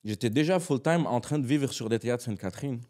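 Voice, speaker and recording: A comedian and actor appears as a podcast guest, casually telling stories in conversation. His mid-range voice moves at a quick pace, animated and slangy, slipping into English now and then.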